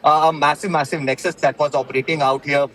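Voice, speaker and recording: A man with an Indian accent reporting breaking news live, haltingly, with repeated words and many filled pauses. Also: on the high side, steady tone, a bit bright.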